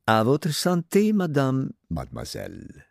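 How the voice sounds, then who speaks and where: A man's voice: medium pitch, huge pitch swings, vocal fry, no room sound, clean studio sound, pitched above the performer's own voice. A man doing a courtly old detective. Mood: courteous. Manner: polite, formal. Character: courteous gallant older male detective.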